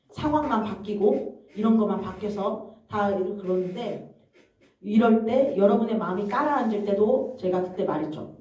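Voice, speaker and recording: A woman evangelist reading a teaching aloud and then explaining it to her congregation in a calm, instructive way. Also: medium pitch. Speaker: evangelist leading prayer. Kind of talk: reading aloud and explaining in a church prayer session. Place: church hall. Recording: distant mic in an echoey, dull-sounding church hall.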